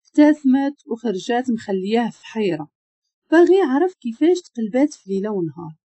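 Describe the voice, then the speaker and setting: A woman with a Moroccan accent narrating a dramatic family story with expressive delivery. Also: a little high, fairly quick, husky, no room sound.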